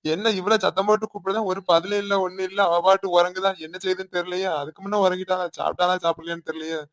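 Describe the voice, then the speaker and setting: A man voicing a fast-talking, blustering village husband. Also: high-pitched, level tone, fairly bright tone. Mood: nagging. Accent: Tirunelveli Tamil. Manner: nagging, scolding, hectoring. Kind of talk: cartoon voice acting.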